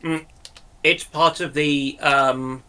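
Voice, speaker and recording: Bright-voiced man, measured and hesitant. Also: on the high side, steady tone, clean tone. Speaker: panelist on a history show. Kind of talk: unscripted history discussion.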